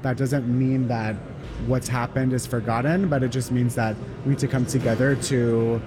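A man's voice: mid-range voice, flat delivery, normal speed, over music. A man in his thirties from Los Angeles, a cafe owner, talking in an upbeat, earnest way. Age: 30s.

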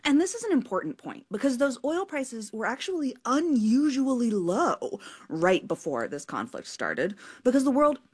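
Lively woman correspondent. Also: on the high side, normal speed, husky. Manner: fluent, with small restarts. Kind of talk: news explainer in conversation.

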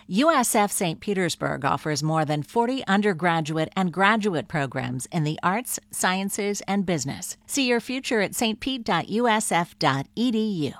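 A woman reading a scripted radio advertisement in a smooth promotional tone. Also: fairly low pitch, lively intonation, moderate pace, hardly any pauses, no echo. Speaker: ad announcer.

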